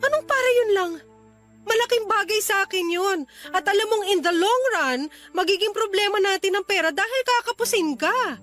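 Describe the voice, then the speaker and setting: Isang babaeng gumaganap sa dramang pag-ibig sa radyo bilang prangka at malungkot na dalagang nakikipaghiwalay sa nobyo. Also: female voice, extremely high pitch, animated, normal speed, fairly bright tone, faint music behind. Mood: agitated. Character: unhappy young woman bluntly breaking up with her boyfriend. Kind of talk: radio romance drama acting.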